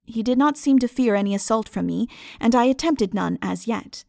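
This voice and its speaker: A woman narrating a literary audiobook as a dramatic reading, in a measured, formal storytelling manner. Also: on the high side, expressive, gravelly, dark tone, no room sound, clean studio sound.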